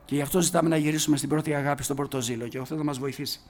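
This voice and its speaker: A man preaching a sermon, emphatic and full of rhetorical questions, moving between quiet passages and loud, forceful bursts and slowing down to stress key words. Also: a little high, fairly even intonation.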